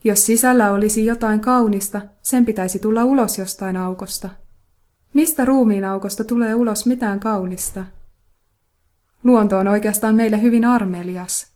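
A woman reading a Buddhist teaching aloud in a calm, measured way, often asking rhetorical questions. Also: mid-range voice. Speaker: reader of a Buddhist talk. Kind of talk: scripted narration of a dharma teaching.

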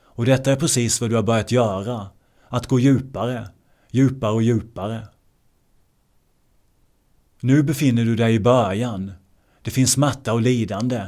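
A man teaching meditation in a measured way, often repeating key words. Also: mid-range voice, a little mellow. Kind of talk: translated meditation discourse.

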